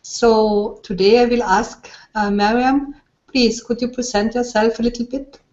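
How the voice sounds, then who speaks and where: A woman hosting an interview in an online hangout, speaking haltingly over a muffled web call. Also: fairly high pitch, steady tone, darkish tone. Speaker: host, interviewer. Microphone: online video call.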